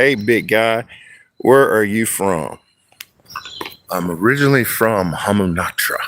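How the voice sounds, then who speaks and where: A man with a Southern US accent speaks at a fairly slow pace and a fairly low pitch, with ordinary pitch variation and long, frequent pauses. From US South, Memphis, Tennessee. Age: 50s. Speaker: vlogger. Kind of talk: casual live stream vlog. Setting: outdoors in the woods. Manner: casual, rambling conversational.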